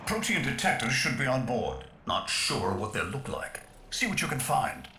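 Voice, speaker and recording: An actor playing a knowing, tech-savvy underground mission handler in a video game, with a wry, intrigued briefing manner. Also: male voice, mid-range voice, big pitch swings, normal speed, pushed and bright, roomy sound, slight background noise. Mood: measured, curious.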